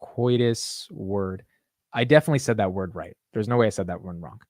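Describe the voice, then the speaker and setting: A man's voice: lowish voice, fairly quick, dry recording, clean studio sound. A young man hosting a casual livestream, talking animatedly and jokingly with his chat viewers. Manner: animated, self-mocking, talks to chat. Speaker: livestream host.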